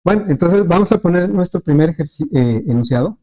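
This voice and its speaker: Lecturing in an animated, fairly quick manner, this teacher has a fairly high-pitched voice with a dark tone. He is patient, frequently asking his students questions, and his speech is thick with fillers and restarts.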